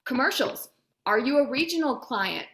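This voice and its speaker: Woman, higher-pitched voice, chatty, keen and emphatic, explaining a process in an interview. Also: lively intonation, normal speed, fairly bright tone. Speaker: voiceover demo producer and director, interview guest.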